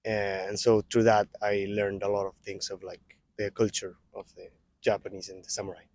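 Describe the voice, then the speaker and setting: A man answering interview questions casually, often pausing with fillers. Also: fairly low pitch, little pitch movement, a little mellow, no echo. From Colombia. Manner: hesitant, many fillers.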